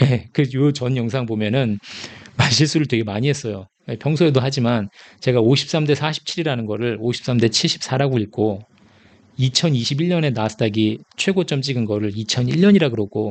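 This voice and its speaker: Here a man speaks at a medium pitch and a fairly quick pace, with ordinary pitch variation. The background is quiet. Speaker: economics YouTuber. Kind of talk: casual monologue. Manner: speeds up near time limit.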